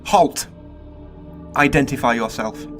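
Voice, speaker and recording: A man acting a loyal, dutiful older butler in a radio drama, formal, deferential and anxious for his master, with a husky voice. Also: medium pitch, slow pace, fairly bright tone, faint music behind. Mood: alarmed.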